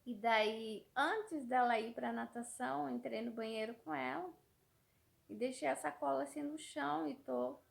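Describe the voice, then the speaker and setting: A woman's voice: high voice, moderate pace, creaky. A woman in her thirties from Brazil, telling a rambling everyday story to her vlog audience, often repeating words and trailing off. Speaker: mother vlogger.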